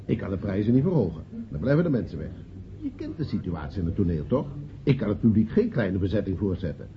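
Lively, haggling theater manager. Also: male voice, on the low side, quick pace, noisy background. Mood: reluctant. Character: jovial but cost-conscious, haggling theater manager. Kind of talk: radio play acting. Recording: muffled radio play, chattering party crowd.

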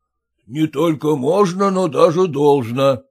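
A man's voice: fairly high pitch, a little mellow, slightly rough, exaggerated voice. A man doing a stern, lecturing father-in-law. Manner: lecturing, scolding, drawn-out.

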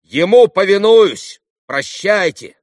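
A man voicing a proud, excitable teenage schoolboy who talks in hurried, emotional bursts. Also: high-pitched, no room sound, clean studio sound, pitched above the performer's own voice. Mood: defiant.

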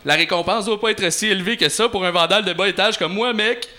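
A man voicing a young male slacker vandal who pleads and bargains in slang. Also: quick pace. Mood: pleading. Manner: slangy, bargaining, high and excited.

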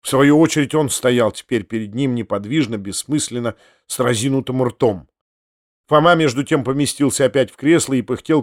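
A man narrating a classic novel as an audiobook, in a measured, even storytelling manner. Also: medium pitch, no room sound, studio quality.

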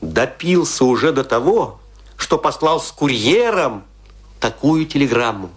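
An actor playing a rueful, self-mocking, tipsy middle-aged Russian intellectual in a theatrical monologue, confiding and declaiming with dramatic pauses. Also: male voice, medium pitch, very animated. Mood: storytelling relish.

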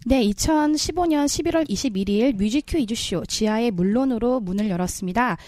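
Mellow-voiced woman hosting radio, slightly high. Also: brisk, no room sound, faint music behind. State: has a cold. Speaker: radio show host. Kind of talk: friendly scripted radio hosting. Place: small community broadcasting studio.

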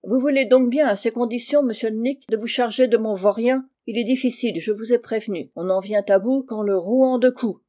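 A woman voicing a miserly, spiteful older woman who talks in a shrill, hasty and grasping way. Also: fairly quick, hardly any pauses, warm tone, close to an everyday voice. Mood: scheming.

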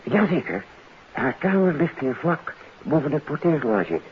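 Animated, deferential hotel porter. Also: male voice, on the high side, a little slow. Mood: nervous, deferential. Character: deferential, eager male hotel night porter. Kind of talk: 1950s Dutch radio drama acting. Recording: muffled, noisy 1959 radio recording.

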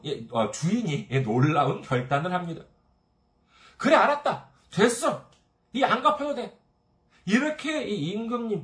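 A male pastor delivering a sermon in a storytelling way. His pitch is a little high and swings widely as he lifts into the characters' lines. He talks casually, with fillers and asides to the congregation. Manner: storytelling, acting out parable voices with lively pitch swings.

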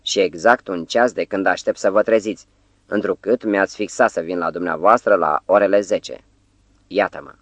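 A man's voice: low voice, a bit bright, no echo. A man voicing a smiling foreign stranger in black. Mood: smugly courteous. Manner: slow, heavy speech with a faint foreign lilt.

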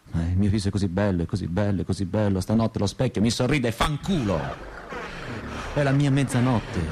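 An actor playing a restless, bitter and sensual gay young dropout in an intimate, confessional theatrical radio monologue. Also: male voice, medium pitch, background noise, close to an everyday voice. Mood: intimate, anguished, then defiant. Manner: intimate, confessional, crude-mouthed. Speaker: stage actor.

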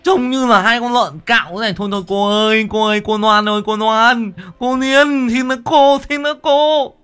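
A man's voice: very high-pitched, normal speed, bright, forceful tone, smooth, faint music behind, voice pushed up. A man voicing a clumsy young village man with a lisp, pleading and stammering.

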